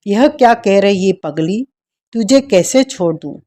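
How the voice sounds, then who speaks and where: Storybook: grieving, tender brother , read by a woman; slow, mellow delivery. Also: medium pitch, animated, lightly acted. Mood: tender, tearful. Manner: tender, grief-stricken. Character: brave male prisoner, a loving protective brother.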